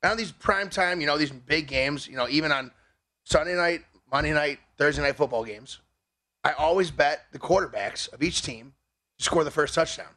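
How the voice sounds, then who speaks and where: A man's voice: a little high, normal speed, bright, forceful tone. A man on a sports talk panel confidently walking through his betting picks. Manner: confident, laying out his bets. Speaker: betting guest.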